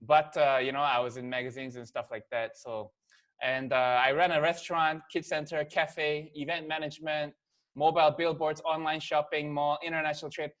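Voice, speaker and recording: A man's voice: a little high, flat delivery, moderate pace, a bit bright. A man in his thirties from Korea, whose first language is Korean, giving a casual, chatty business presentation to camera, full of fillers and "okay?" check-ins.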